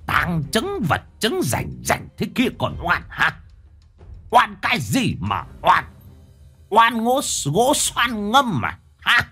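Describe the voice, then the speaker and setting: A man's voice: on the low side, wildly swooping pitch, takes it slowly, long pauses, slightly rough, faint music behind, exaggerated voice. A man voicing a sly, bullying village chief who barks and sneers. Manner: barking, sneering.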